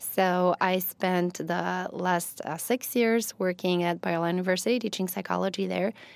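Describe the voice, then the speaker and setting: A woman with a Polish accent speaks at a moderate pace with fairly even intonation and hardly any pauses. The recording is very clean, with a silent background. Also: medium pitch for a woman. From Poland. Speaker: psychology professor. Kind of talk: interview. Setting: studio.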